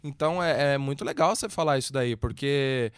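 A man co-hosting an interview, reacting in an excitable, emphatic way. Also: medium pitch, brisk, clean tone, no room sound, studio quality. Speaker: interview co-host. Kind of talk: podcast chat.

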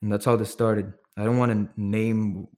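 Young guy, kinda low voice, stops and restarts a lot, intense, just chatting. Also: flat delivery, a little mellow. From Sri Lanka. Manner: halting, repeats words, intense. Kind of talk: casual chat.

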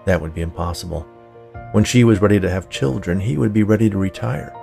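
Low gravelly man narrating fiction. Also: brisk, dark tone, faint music behind. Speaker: writer, narrator and podcast host.

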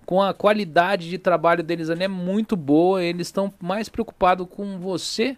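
A podcast host in a small studio keeps things chatty and jokey in a casual conversation that includes sponsor reads, tagging his lines with little questions and fillers like "né?" and "tá entendendo?". His voice sits high, his intonation stays fairly even, and he speaks at a moderate pace with no room sound.

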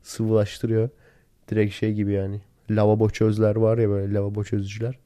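A man with a hoarse, worn-out voice, sick and tired, chatting casually alone into a close recorder. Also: on the low side, completely flat delivery, brisk, mellow, dry recording. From Turkey. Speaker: podcast host. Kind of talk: casual solo podcast chat. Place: in bed at home. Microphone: handheld voice recorder, close.

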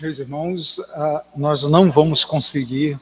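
A Brazilian man moderating a Bible study, calmly reading out the questions. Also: fairly high pitch, husky, in a large hall. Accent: Brazilian Portuguese. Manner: unhurried, reads out questions.

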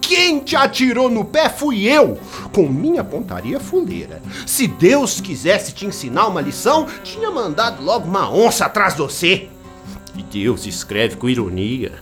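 An actress playing a sharp-tongued, stubborn, teasing backcountry gunwoman in a radio drama. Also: medium pitch, sing-song, moderate pace, soft background music, natural voice. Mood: defiant, dry. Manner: teasing, colloquial, defiant.

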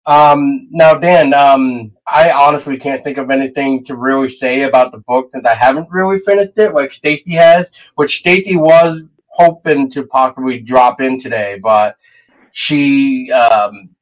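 A man's voice: mid-range voice, a little slow, low-quality recording. A man hosting a casual interview, hesitant and full of fillers as he talks. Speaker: podcast host.

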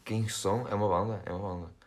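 A man's voice: on the low side, steady tone, fast talker. A young man with a European Portuguese accent, co-hosting a casual podcast and telling rambling stories full of slang and fillers. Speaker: podcast co-host. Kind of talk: casual chat.

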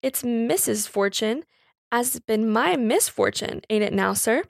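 A woman's voice: a little high, lively intonation, measured pace, vocal fry, no echo, clean studio sound. A woman voicing a pert, defiant young housemaid with uneducated servant's speech in a story reading.

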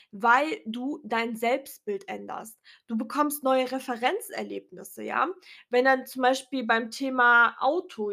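A vlogger with a fairly high voice speaks loudly and earnestly to her viewers in a casual, self-recorded, unedited motivational video, encouraging them. She clears her throat, and her voice sounds a bit strained.

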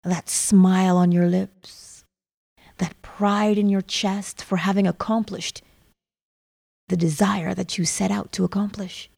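Slow, creaky woman guiding a meditation. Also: mid-range voice, little pitch movement, darkish tone. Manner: slow, soothing, breathy phrase endings trailing toward a whisper. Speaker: guided meditation host. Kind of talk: soft guided meditation narration. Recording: long reverb on the voice.

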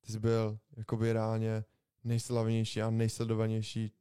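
Mellow-voiced young man, slangy chat. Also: fairly low pitch, completely flat delivery, clean tone. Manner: slangy, amazed, musing aloud. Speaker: podcast co-host. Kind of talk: casual chat.

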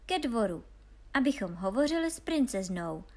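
A woman's voice: fairly high pitch, sing-song. A woman reading aloud and voicing two scornful, learned brothers who mock their younger sibling. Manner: mocking, sneering.

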